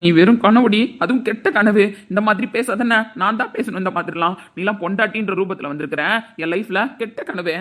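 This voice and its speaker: A woman voicing an angry, scornful young husband in an amateur audio drama, shouting and scolding. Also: mid-range voice, fairly quick, natural voice. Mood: furious. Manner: shouting, scolding, repeats "understand?".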